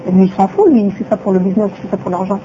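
A woman's voice: medium pitch, steady tone, rapid-fire, mellow, slight background noise. A woman teaching a religious lesson who repeats her phrases and asks rhetorical questions, on a dull lo-fi recording.

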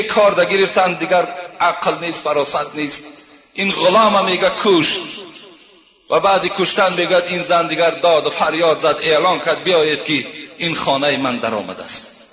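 A man's voice: high-pitched, bright, forceful tone. A man preaching a sermon, retelling moral tales and repeating "he says" as he goes. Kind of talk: sermon with storytelling. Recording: echoey hall with long reverb, dull lo-fi sound.

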